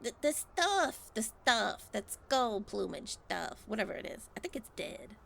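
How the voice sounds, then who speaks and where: Snarky, creaky-voiced hungry demon played by a woman. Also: fairly high pitch, very animated, measured pace, a bit bright, slight background noise, full character voice. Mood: grumbling. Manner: casual, dismissive, teasing. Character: hungry, snarky, blasé scavenging demon in hell. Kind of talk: comedic audio drama acting.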